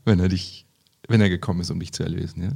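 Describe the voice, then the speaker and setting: A man talks through scripture with a partner, his voice low and rough with a gravelly edge. He keeps it conversational, tossing questions back and forth and reading verses aloud. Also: fairly even intonation, fast talker, a little mellow. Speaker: Bible study co-host. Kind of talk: casual Bible discussion.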